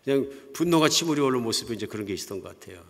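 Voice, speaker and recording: A man's voice: mid-range voice, lively intonation, racing. An older man, a pastor, preaching a sermon in a conversational storytelling manner. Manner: conversational, anecdotal storytelling with soft chuckles. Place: church sanctuary. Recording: long hall reverb.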